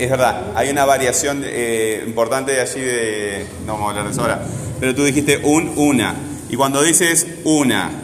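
A man's voice: medium pitch, background noise. A man teaching a grammar lesson to a student, patiently asking questions and repeating her answers. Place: classroom. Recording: echoey classroom with long reverb.

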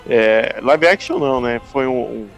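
A man's voice: medium pitch, a little slow, faint music behind. A Brazilian man in a casual podcast chat, talking hesitantly with many restarts and casual slang. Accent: Brazilian Portuguese.

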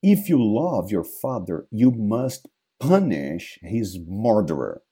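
A man's voice: lowish voice, big pitch swings, takes it slowly, warm tone, breathy edge, full character voice. A man reading as a solemn ghostly king. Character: grim slow-speaking ghost of a murdered king.

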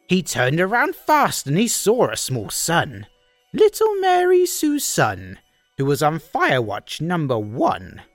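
A woman narrating a rhyming holiday story in an unhurried, sing-song voice whose pitch rises and falls dramatically. The sound is close and dry, with faint music playing behind her. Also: huge pitch swings, no room sound. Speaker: host and narrator.

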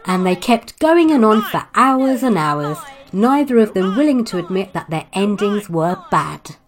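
A woman playing a dry, exasperated pantomime narrator, delivering comic scripted narration with wry deadpan. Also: medium pitch, measured pace. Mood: storytelling.

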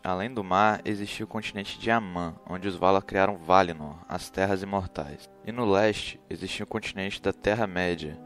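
A man narrating a humorous explainer in a casual, joking, slangy way. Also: sits low. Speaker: host. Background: background music.

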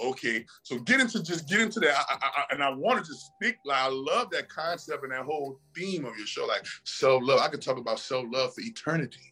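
Male podcast guest, husky tone, sermon-like motivational delivery, faint music under. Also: mid-range voice, pushed and bright. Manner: preachy, emphatic, repeats phrases and asks "right?". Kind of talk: casual motivational talk.

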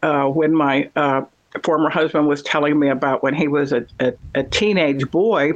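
Chatty guy, bit high-pitched, rambling casual storyteller. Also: moderate pace, muffled recording. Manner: rambling, chatty, many fillers. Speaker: conversation partner. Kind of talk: casual chat.

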